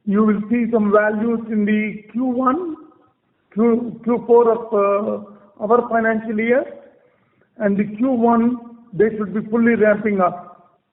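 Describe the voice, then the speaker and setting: A man with an Indian accent giving halting, measured answers as a company executive on an earnings call. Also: high-pitched, steady tone. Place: conference call. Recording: muffled conference line with long reverb.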